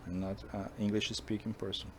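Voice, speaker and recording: This is a casual on-camera monologue by a man from Brazil, a Portuguese speaker using English with a Brazilian accent. He pitches a film based on his books, speaking in a level tone and pausing repeatedly to find words, over slight background noise.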